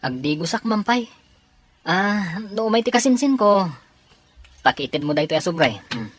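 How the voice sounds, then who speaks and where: A woman voicing an easygoing, teasing young man in an Ilocano Filipino audio drama, with a husky voice. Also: on the low side, sing-song, moderate pace. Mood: teasing, friendly.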